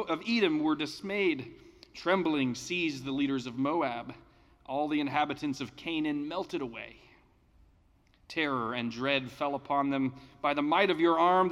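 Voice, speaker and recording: A male pastor reading scripture and preaching a sermon in a measured, deliberate way, recorded in a church sanctuary. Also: fairly high pitch, fairly bright tone, long reverb tail.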